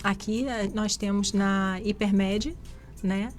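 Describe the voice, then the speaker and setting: A woman from Rio de Janeiro, a physician guest giving steady, explanatory answers in a radio studio interview. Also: mid-range voice, takes it slowly, faint music behind. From Rio de Janeiro, Brazil.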